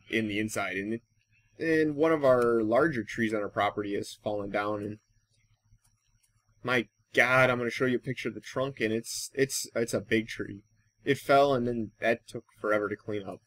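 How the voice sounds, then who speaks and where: Halting, rambling male gaming commentator. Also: on the low side, a little hiss or hum. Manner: halting, thinks aloud, trails off. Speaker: gaming channel host. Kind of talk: casual rambling Let's Play commentary.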